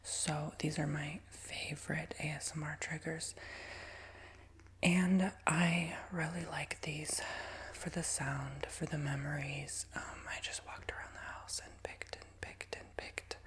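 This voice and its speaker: A man in his twenties with a nasal, raspy voice, giving a soft, rambling ASMR whisper with many fillers. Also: on the high side, level tone, slow pace. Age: 20s. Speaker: ASMR creator.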